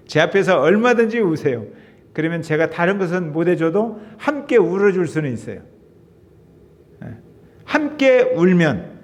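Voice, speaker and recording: A middle-aged man, a pastor, preaching a sermon in an emotive, conversational way to his congregation. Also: on the high side. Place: church sanctuary. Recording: reverberant church hall.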